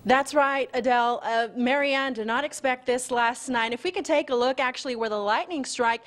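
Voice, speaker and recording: Female field reporter, American accent, fairly high voice, local TV news delivery. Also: normal speed, fairly bright tone.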